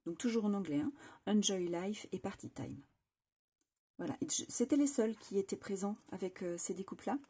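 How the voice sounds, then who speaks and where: Mellow husky woman chatting. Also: medium pitch, moderate pace. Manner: chatty, enthusiastic, frequent fillers and restarts. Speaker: craft channel host. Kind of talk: casual product haul presentation. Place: home craft room.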